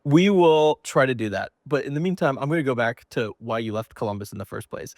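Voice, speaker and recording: Man, podcast host, laid-back, teasing, medium pitch, dry close sound. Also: brisk, a little mellow, dry recording. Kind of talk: casual podcast interview.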